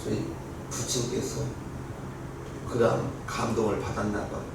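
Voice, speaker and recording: A pastor preaching a sermon in a church, his voice swinging between loud rises and soft drops as he questions the congregation. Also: medium pitch, little pitch movement, unhurried. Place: church sanctuary. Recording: very echoey church room, heard from a distance, faint hiss.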